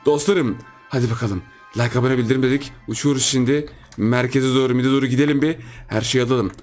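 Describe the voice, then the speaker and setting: A man's voice: mid-range voice, fairly even intonation, brisk, a little mellow, soft background music. A man giving casual, playful commentary as he plays a video game, teasing the other players and chatting with his viewers. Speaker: gaming YouTuber. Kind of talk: casual let's-play commentary.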